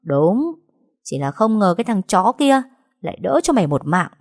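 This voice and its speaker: A woman's voice: mid-range voice, sing-song, moderate pace, a little mellow, no echo, clean studio sound. A woman voicing a cruel, scheming female villain who sneers and hisses threats. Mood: sneering.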